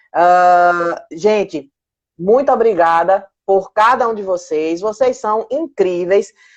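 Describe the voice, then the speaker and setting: Lively in intonation yet very slow in pace, a woman speaks against a quiet background. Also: medium pitch for a woman. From Pernambuco, northeast Brazil. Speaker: psychologist and speaker hosting a live. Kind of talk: live stream chat with audience. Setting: Instagram live video.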